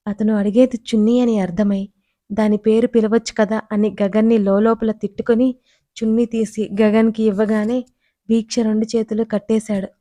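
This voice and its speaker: A woman narrating a romance audio story in a steady, even reading. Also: a little high, moderate pace.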